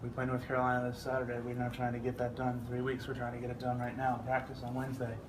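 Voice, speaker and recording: A young man, an athlete answering press scrum questions in a measured, earnest way. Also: medium pitch, completely flat delivery. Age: young adult. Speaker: football offensive lineman being interviewed. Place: media scrum with ambient noise. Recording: clearly noisy ambient background.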